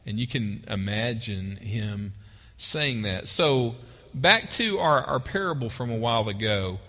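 Texan preacher in an echoing hall. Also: male voice, medium pitch, pushed and bright. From Texas. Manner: conversational, asks the audience questions. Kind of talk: sermon with Bible reading. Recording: long hall reverb.

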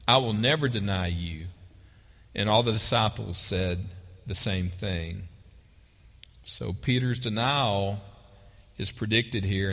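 A man's voice: mid-range voice, bright, forceful tone. A man with a Texas accent preaching a sermon, reading scripture aloud and talking it through conversationally, asking his listeners questions. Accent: Texan. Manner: conversational, asks the audience questions. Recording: long hall reverb.

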